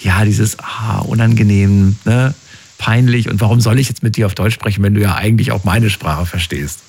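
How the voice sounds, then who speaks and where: A man with a fairly low voice conducts a relaxed conversational interview. His questions wander and circle back, with plenty of fillers and restarts. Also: normal speed, gravelly, slightly rough. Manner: rambling, hesitant questions with many fillers.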